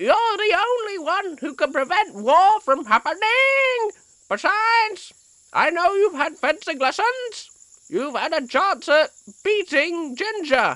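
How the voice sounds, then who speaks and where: A put-on character voice at an extremely high pitch, delivered at a fairly slow pace. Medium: audio drama.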